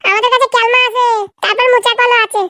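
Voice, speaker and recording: খুব সরু, চড়া গলার কার্টুন ছোকরা. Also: female voice, very high voice, flat delivery, quick pace, pushed and bright, no room sound, studio quality. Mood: chatty. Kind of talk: comedy cartoon dialogue.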